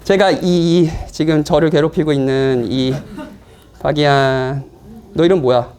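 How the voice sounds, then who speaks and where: A man's voice: fairly high pitch, steady tone, a little slow, a little mellow. A man preaching a sermon in a church, speaking conversationally and playfully with his congregation. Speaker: pastor. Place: church, afternoon service.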